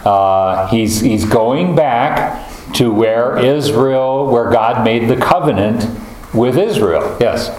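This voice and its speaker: A man leading a group Bible study, talking in a halting, thoughtful way with many fillers and restarts. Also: mid-range voice, a little mellow. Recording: roomy echo, faint ambience.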